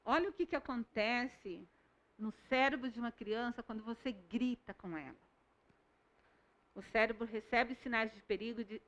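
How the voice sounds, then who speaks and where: A woman teaching a recorded Bible school lesson, calmly explaining with stories from her classroom. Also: fairly high pitch, highs cut off.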